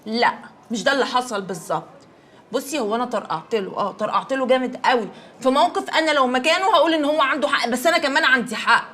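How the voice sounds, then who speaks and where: High-voiced proud young teacher. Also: female voice, fast talker, a bit bright. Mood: defensive. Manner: chatty, defensive, comic. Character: proud young woman teacher, lovesick and stubborn. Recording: TV drama with faint music.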